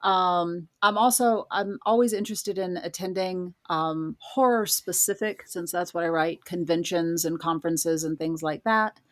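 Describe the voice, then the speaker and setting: A woman's voice: on the low side, a little slow, hardly any pauses. A woman speaking casually as a guest writer in an interview.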